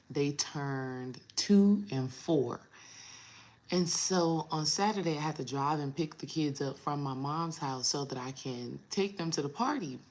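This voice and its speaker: A woman in her thirties with a raspy, low morning voice, talking casually to her viewers as a spiritual coach. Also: darkish tone. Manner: chatty, addresses viewers as y'all, drawn-out pauses. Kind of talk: casual vlog talk to viewers.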